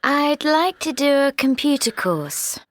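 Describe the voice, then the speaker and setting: A woman playing a customer signing up for a computer course, speaking very slowly. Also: high voice, big pitch swings, dry recording. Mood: eager.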